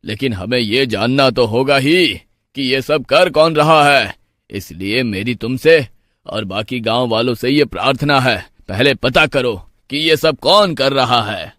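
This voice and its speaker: A man voicing an older village headman in an animated story, calm, fatherly and reasoning. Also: mid-range voice, measured pace, no room sound, clean studio sound. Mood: concerned.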